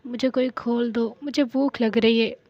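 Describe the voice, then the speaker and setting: A woman's voice: fairly high pitch, fairly even intonation, a little slow, dry recording, muffled recording, natural voice. A woman voicing a hurt, tearful young man who pleads and lashes out in a read-aloud story.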